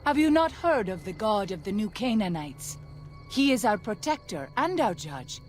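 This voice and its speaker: A woman playing a solemn tribal midwife and scout in a video game, speaking formally and with measured, archaic phrasing. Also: mid-range voice, very animated, darkish tone, faint music behind, close to an everyday voice. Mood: reverent.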